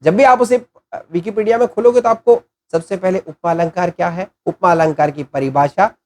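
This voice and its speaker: A man talks through an informal lesson at a measured, deliberate pace. He poses questions to his listeners and answers them himself, sometimes pausing to clear his throat. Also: sits high, a little mellow. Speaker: channel host explaining content writing.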